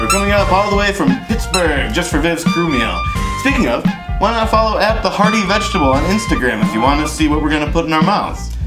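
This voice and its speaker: A man hosting a comedy show with announcer-style patter. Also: sits high. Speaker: show host. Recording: echoey room, loud music behind.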